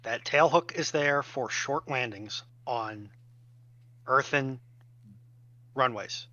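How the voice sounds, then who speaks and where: A man speaking as a panelist in an informal expert discussion, explaining his points deliberately and emphatically. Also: medium pitch, sharp tone. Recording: dull, band-limited audio.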